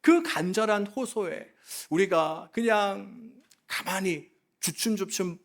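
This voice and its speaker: A man's voice: high-pitched, slow pace, gravelly. A male pastor preaching a sermon, impassioned and pleading, asking the congregation rhetorical questions. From South Korea.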